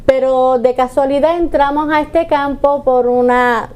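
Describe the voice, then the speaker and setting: A woman from Ponce, Puerto Rico, with a Puerto Rican accent, telling her story as an artisan guest in a lively way. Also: high-pitched, measured pace. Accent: Puerto Rican Spanish. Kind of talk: interview answers.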